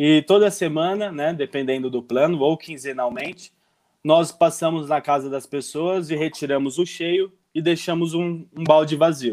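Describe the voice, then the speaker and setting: A man speaks with an unremarkable speaking voice, fairly high in pitch. His pace is fairly slow and his pitch variation is ordinary. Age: 20s. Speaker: composting entrepreneur. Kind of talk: casual interview.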